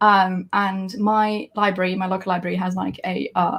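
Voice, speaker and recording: A woman speaks at medium pitch, somewhat breathy. Her intonation stays fairly even. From Germany. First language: German. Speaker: book youtuber. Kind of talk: casual chat.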